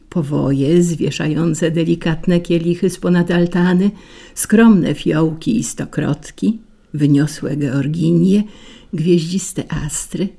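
A woman narrating a storybook fable in a measured way, lingering over long lists. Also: on the low side, creaky, mellow, husky. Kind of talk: storybook reading.

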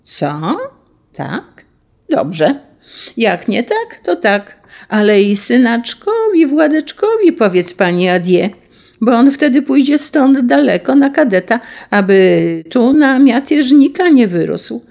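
A sinister army general in a read-aloud story , put on by a woman narrator, coaxing and threatening in a slow, drawling, sing-song way. The voice sits noticeably higher than a plain reading voice and keeps a gravelly edge underneath. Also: sing-song, a little mellow, heavily acted. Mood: furious. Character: sweet-voiced menacing male tsarist general.

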